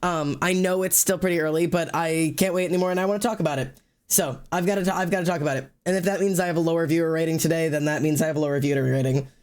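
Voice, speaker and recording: A man's voice: on the high side, fairly even intonation, very fast, darkish tone. A man with a stuffy, sniffly nose chatting casually on a live stream, greeting and thanking chatters by name and rambling loosely while he draws. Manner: loose, rambling with fillers and restarts. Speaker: livestream host.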